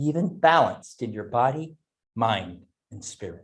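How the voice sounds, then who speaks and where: Fairly high-pitched and somewhat breathy, a man is speaking. He keeps a moderate pace. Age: 60s. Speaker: massage therapist. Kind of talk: presentation; casual chat. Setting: community networking meeting.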